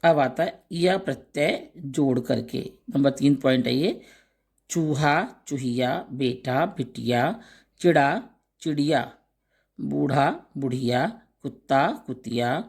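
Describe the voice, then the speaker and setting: A male teacher works through a grammar lesson, reading out word pairs one at a time. He speaks very slowly and deliberately, pausing after each word. His voice sits at an ordinary mid pitch. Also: gravelly, a little mellow. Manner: slow, deliberate recitation of word lists with brief explanations.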